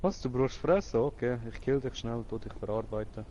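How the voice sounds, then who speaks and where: A man's voice: medium pitch, a little fast, warm tone, highs cut off. A man playing along in a game, chatting casually and teasing his friend. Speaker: co-player. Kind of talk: casual gaming chat.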